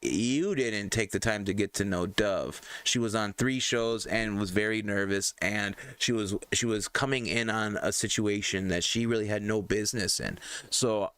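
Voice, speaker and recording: A man hosting a casual live-stream show, animated and rambling, often laughing. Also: lowish voice, moderate pace, clear, resonant tone, no room sound. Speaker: stream host.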